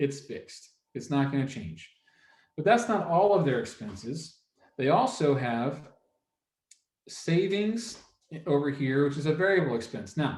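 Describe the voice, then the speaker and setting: Speaking with an American accent, a fairly high-pitched man sounds somewhat breathy, with very wide pitch swings and long, frequent pauses. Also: fairly slow pace. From Virginia. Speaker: former banker, financial literacy presenter. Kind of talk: educational talk to young audience.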